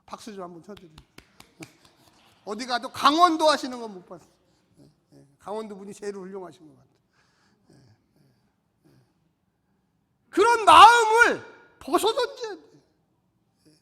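A man's voice: sits high, lively intonation, a little fast, long pauses, pushed and bright. A male pastor preaching a sermon in a church, urging the congregation to repeat phrases and respond. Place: church sanctuary. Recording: long church-hall reverb.

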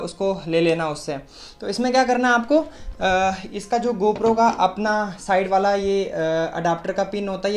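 A young man, chatting step by step as he demonstrates gear at a desk. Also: high voice. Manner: chatty, explains step by step, mixes English words. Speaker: moto vlogger. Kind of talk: casual tutorial demonstration. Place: small room at a desk.

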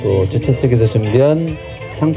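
A man's voice: mid-range voice, animated, moderate pace, gravelly. A man hosting an awards ceremony on an outdoor stage, formally proclaiming names and prizes over the PA. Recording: PA at outdoor event, music behind. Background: guitar and instrumental music.

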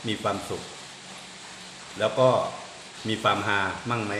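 A man hosting a news vlog, narrating energetically with drawn-out emphasis. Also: lowish voice, little pitch movement, reverberant, background noise. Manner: upbeat announcer delivery with drawn-out emphasis.

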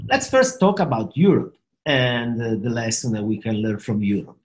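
A middle-aged man speaks English with an Italian accent at a medium pitch. He explains things like a professor, in a halting, searching delivery full of repeats and hesitations. He is talking to a computer webcam in a small home office. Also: sing-song, faint music behind. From Italy. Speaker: professor of finance and risk management. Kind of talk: explanatory talk to camera.

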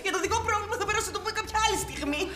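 An actress playing a young shop clerk who tells her troubles in a tearful, melodramatic way. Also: very high-pitched. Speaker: shop assistant. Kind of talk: television comedy acting. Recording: roomy set with music behind.

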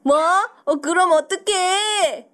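A woman's voice: extremely high pitch, takes it slowly, fairly bright tone, pitched above the performer's own voice, heavily acted. A woman voicing an earnest, brave little boy penguin in a children's toy cartoon. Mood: urgent, earnest.

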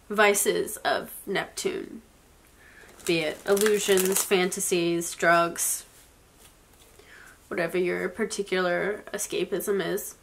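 Young woman in her twenties, tarot reader, sniffly from a cold, slow and reflective delivery. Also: lowish voice, gravelly. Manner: soft, slow and reflective, with occasional small laughs. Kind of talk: spoken tarot reading. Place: indoors, in front of a floral blanket.

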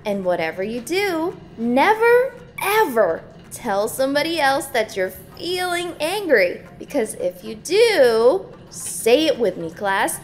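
A saccharine, domineering counselor lectures teens in an audio drama. Her high voice swings widely as she speaks slowly and emphatically, with faint music behind her. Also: sing-song, heavily acted. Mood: patronizing, insistent. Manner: patronizing, emphatic schoolteacher delivery.

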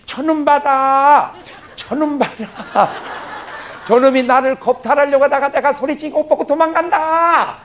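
A man's voice: very high voice, unhurried, a bit bright, a little hiss or hum, pitched above the performer's own voice. A man voicing a hysterical woman, a general's wife, who shrieks in repeated cries. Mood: shrill.

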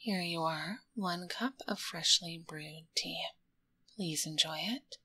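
A woman's voice: fairly low pitch, slightly rough, exaggerated voice. A woman playing a grumpy young tomboy who works as a secret ASMR artist, whispering breathily into a close binaural microphone in a roleplay. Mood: polite, soothing. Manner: slow, hushed, soothing service talk with curt asides.

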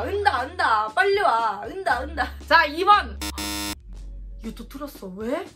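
A young woman with a Thai accent, a native Thai speaker, chatting through a quiz vlog indoors. She exclaims loudly when she gets an answer right or wrong. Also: sits high. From Thailand. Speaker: vlogger. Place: indoors in a small room.

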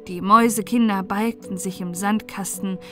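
A woman's voice: mid-range voice, fairly even intonation, normal speed. A woman reading a scripted storybook tale as a narrator, in a bedtime audiobook style. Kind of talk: scripted storybook narration for relaxing and falling asleep. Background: music.

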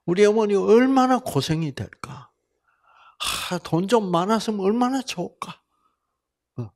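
An older man from Busan, giving a Bible lecture with personal testimony, telling stories folksily and swinging between loud exclamations and soft asides. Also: high-pitched, lively intonation, measured pace. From Korea (Busan). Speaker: health seminar lecturer.

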